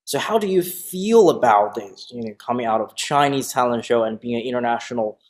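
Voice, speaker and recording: A man's voice: mid-range voice, animated, fairly quick. A man asking interview questions in a casual, conversational way.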